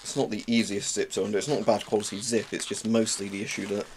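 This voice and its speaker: With a fairly low pitch and level tone, a British man in his twenties talks at a quick pace while demonstrating military gear he reviews. His explanation is informal and rambling, and the noisy recording was made in a small, cluttered room at home.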